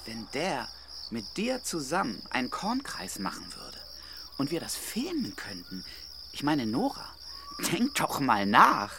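A woman's voice: extremely low pitch, wildly swooping pitch, unhurried, noisy background, exaggerated voice. A woman playing a pushy, self-assured activist camp leader in naturalistic radio drama dialogue, insistent and persuasive. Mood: cajoling.

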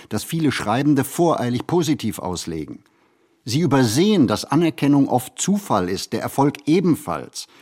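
An actor playing a reflective writer in a literary radio play, speaking his monologue in measured, deliberate phrases. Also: medium pitch, darkish tone. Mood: emphatic, critical. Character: reflective male writer musing on writing and society. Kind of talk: literary radio play monologue, scripted first-person narration.

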